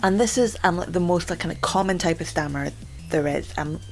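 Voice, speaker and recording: A young woman hosting a casual vlog chat. She stammers, repeating words and filling pauses with "um" and "like". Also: on the low side, soft background music. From Scotland. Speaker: channel host.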